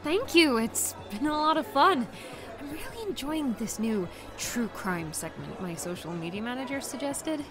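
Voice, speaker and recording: A woman in her twenties playing a lively, teasing young influencer friend in an audio drama, with music under her voice. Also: sits high, moderate pace. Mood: chatty.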